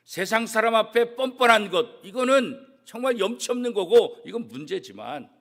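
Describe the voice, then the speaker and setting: A man, a church pastor, preaching a sermon with strong emphasis, swinging from loud declarations to hushed, almost whispered asides. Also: high voice, lively intonation, moderate pace. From South Korea. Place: church sanctuary.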